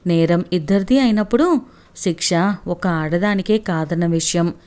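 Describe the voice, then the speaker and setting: Lady doing a earnest young guy arguing for justice, lowish mellow voice. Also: natural voice. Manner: earnest, forceful pleading. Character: young man, righteous and earnest, defending a wronged woman.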